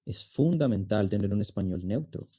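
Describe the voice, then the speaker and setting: A man's voice: lowish voice, lively intonation, moderate pace, dark tone. A man explaining things conversationally as an expert guest, in a didactic, emphatic way. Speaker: interview guest, speech and oratory coach.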